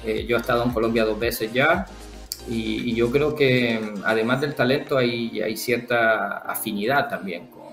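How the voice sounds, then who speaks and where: A man from the Canary Islands with a Canarian Spanish accent, a football agent answering interview questions in a thoughtful, halting way with many fillers. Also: mid-range voice, gravelly, a bit bright. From Canary Islands, Spain. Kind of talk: interview guest, casual conversation. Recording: roomy echo with faint background music.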